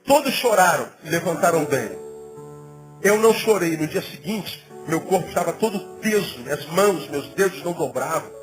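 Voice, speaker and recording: High-voiced animated preaching man. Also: moderate pace, over music, poor audio. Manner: animated, conversational preaching with rising emphatic peaks. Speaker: pastor. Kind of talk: sermon. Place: church.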